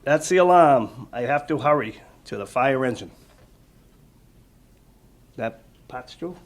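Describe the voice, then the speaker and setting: Taking it slowly, a man with a mid-range voice and lively intonation reads a picture book aloud in a firefighter role to a small audience of children. He adds casual asides and explains things simply, captured in a noisy live room.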